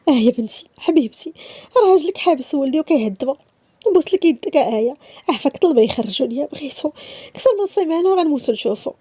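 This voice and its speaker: A woman's voice: high-pitched, animated, very fast, warm tone, dry recording, voice pushed up. A woman voicing a desperate older mother who begs tearfully for her son, with a Moroccan accent. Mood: pleading. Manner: begging, tearful pleading.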